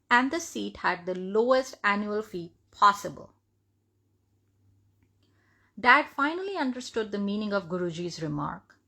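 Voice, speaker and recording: A woman reads a devotional account aloud, phrase by phrase. Her voice sits at a medium pitch and often drops into audible creak. The delivery is measured, as if following a written page. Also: sharp tone. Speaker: reader of devotional testimonies. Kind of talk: reading a written first-person story aloud.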